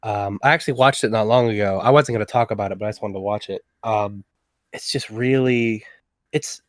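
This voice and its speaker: A man's voice: lowish voice, brisk, no room sound, studio quality. A young man from West Virginia, chatting as a podcast guest in a rambling, enthusiastic way. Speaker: guest, slasher fan. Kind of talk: casual podcast chat.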